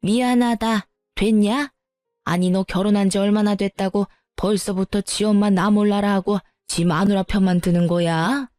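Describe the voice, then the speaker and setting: A woman's voice: medium pitch, fairly even intonation, moderate pace, a little mellow, no echo, clean studio sound, faint music behind, close to an everyday voice. A woman doing a sneering older mother-in-law. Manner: curt, sneering.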